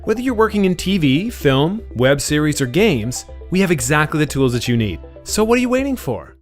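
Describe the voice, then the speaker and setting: Lively male voice-over artist over music. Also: fairly high pitch, brisk. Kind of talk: scripted voice-over demo reads: commercial, explainer, narration. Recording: music bed behind the voice.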